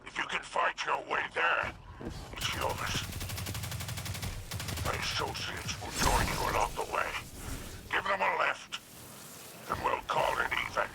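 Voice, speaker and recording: A man's voice: on the high side, expressive, measured pace, pauses often, heavy background noise, heavily acted. A man playing a scheming alien crime boss in a video game, growling in a haughty, menacing, theatrical way. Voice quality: gravelly, growling.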